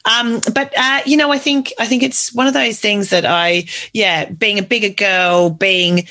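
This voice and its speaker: A woman's voice: medium pitch, steady tone, unhurried, pushed and bright. A woman talking casually and effusively on a podcast, joking and swearing as she goes. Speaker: podcast guest, amateur runner. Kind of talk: casual chat.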